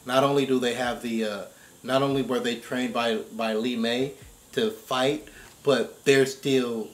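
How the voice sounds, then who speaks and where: A man with a mid-pitched voice talks casually as a show commentator. He explains his points step by step, often checking that the others follow. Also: fairly even intonation, a little slow. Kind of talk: casual discussion of game story.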